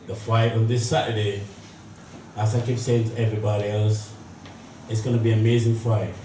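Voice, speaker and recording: A man, a boxer, speaking earnestly at a press conference in halting, non-native phrasing. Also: mid-range voice, dark tone. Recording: echoey room, distant mic, noisy.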